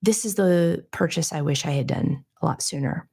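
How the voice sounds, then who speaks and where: Soft-spoken woman with a gravelly edge. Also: sits low, moderate pace. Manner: conversational, explanatory. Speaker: audio gear reviewer. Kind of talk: livestream gear demo. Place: home studio. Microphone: changing between studio mics.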